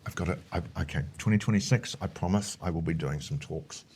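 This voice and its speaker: A man's voice: low-pitched, a little fast, a little mellow, breathy edge. A man talking as a coach in a conversational interview, explaining his points emphatically and often punctuating them with short check questions. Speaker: speaker coach, interview guest.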